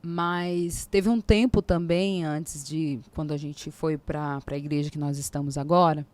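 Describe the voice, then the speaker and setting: A Brazilian woman in her forties, a podcast guest, telling a faith testimony in lively casual talk and acting out the dialogue. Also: deep voice, a little slow. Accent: Brazilian Portuguese. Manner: animated storyteller, acts out quoted dialogue.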